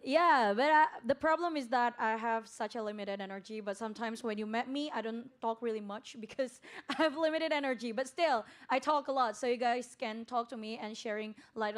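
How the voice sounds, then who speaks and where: An energetic young woman speaks in a fairly high voice. She is a lecturer giving a chatty, talkative self-introduction. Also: a little fast, few pauses. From Indonesia. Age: young adult.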